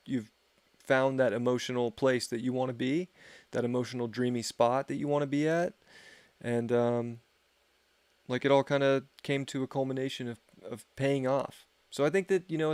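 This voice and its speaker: A man's voice: mid-range voice, no room sound. A man giving a casual, rambling astrology forecast on a livestream, his voice wearing thin. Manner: rambling, filler-heavy, laid-back. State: losing his voice. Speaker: astrology reader.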